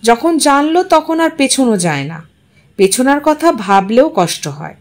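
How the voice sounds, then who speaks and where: Female audiobook-style narrator, slightly high pitch, expressive literary storytelling. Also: a little slow.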